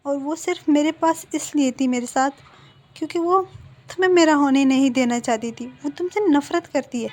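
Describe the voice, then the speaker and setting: A woman's voice: sits high, normal speed, darkish tone, voice pushed up, close to an everyday voice. A woman voicing a clingy young man who earnestly apologizes and pleads with his partner, in a retold fan-fiction story. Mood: explaining.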